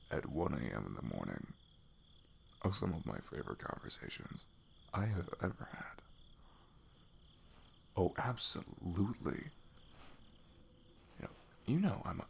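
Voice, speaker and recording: Soft, low-pitched, creaky man acting a tender best friend. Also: sing-song, a little hiss or hum, exaggerated voice. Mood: fond, confiding. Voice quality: soft, breathy, often dropping to a whisper. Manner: hesitant, halting, chatty and tender. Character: sweet, nerdy male best friend, shyly affectionate. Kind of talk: intimate ASMR roleplay, soft improvised-sounding talk.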